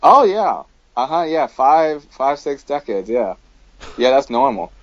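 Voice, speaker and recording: A man's voice: mid-range voice, sing-song, measured pace. A man from the United States, a guest in a casual conversation, who talks hesitantly with many fillers and gives blunt opinions. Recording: dull, dry lo-fi sound.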